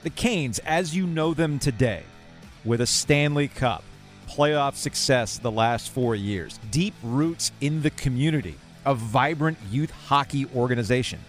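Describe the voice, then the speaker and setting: A man's voice: mid-range voice, a little slow, faint music behind. A man hosting a sports podcast, narrating a scripted story about local sports.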